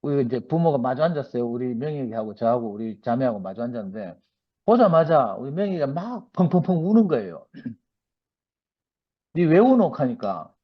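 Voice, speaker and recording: Speaking fairly quickly in a mid-range voice, a middle-aged man from the Gyeongsang region shares his testimony before a church gathering. He performs the conversations as he goes, lively throughout, though the lo-fi recording sounds dull.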